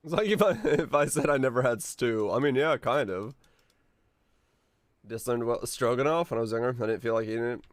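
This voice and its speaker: A man's voice: mid-range voice, brisk, no room sound. Guy from finland streaming a game, chatting w chat, mid voice, musing n swearing a bit, dry mic. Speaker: game livestreamer. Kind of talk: casual chat with stream viewers.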